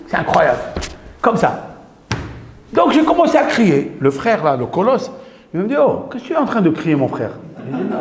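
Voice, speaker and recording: A man, a rabbi, recounting a story in an animated teaching style, mixing in Hebrew terms. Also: fairly high pitch. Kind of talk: storytelling Torah lesson. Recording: echoey room with faint noise.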